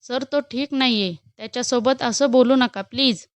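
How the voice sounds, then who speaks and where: A woman reading a storybook who voices a gentle, protective young woman, speaking in a soothing, pleading way. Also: on the high side, normal speed, clean tone, no echo, close to an everyday voice.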